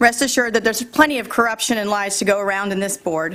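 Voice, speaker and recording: This is a woman talking. Noticeable background noise runs behind her. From Eastern Europe. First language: Eastern European language. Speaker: public commenter. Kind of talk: public comment at school board meeting. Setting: school board meeting. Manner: sarcastic, confrontational.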